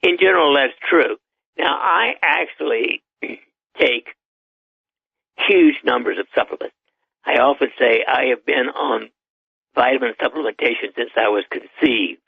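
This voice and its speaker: An elderly man in his eighties speaks as a doctor giving advice, matter-of-fact and sure of himself. His voice is gravelly and husky. It comes through a tinny, dry phone line. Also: medium pitch, measured pace, no echo. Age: 80s. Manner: matter-of-fact, advisory, with chuckles. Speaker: doctor guest. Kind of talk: radio call-in interview.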